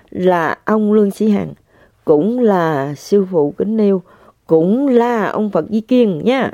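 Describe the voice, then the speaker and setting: Slow, earnest older woman, muffled. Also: medium pitch, dark tone, dry recording. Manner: earnest, addresses listeners directly, repeats herself. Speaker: spiritual practitioner sharing testimony. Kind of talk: emotional personal testimony. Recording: dull lo-fi sound.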